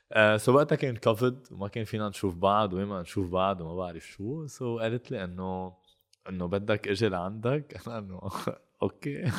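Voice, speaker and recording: Low-voiced Lebanese man chatting. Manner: mixes Arabic with English and French words. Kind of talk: casual chat and personal anecdotes.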